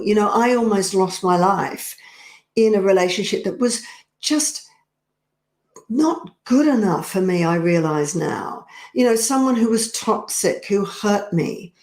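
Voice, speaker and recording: A woman's voice: medium pitch, a little mellow. A middle-aged woman, a personal power coach, speaking earnestly and confidingly straight to the viewer. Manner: slow, earnest and confiding, addressing the viewer directly. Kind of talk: direct-to-camera coaching talk. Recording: roomy echo.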